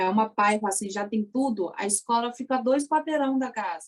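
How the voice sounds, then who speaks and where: Someone speaks with a Chinese accent at a fairly slow pace, with ordinary pitch variation. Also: woman. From China. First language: Chinese (speaking Portuguese). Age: 30s. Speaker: interviewee. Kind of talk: life-story interview. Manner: halting.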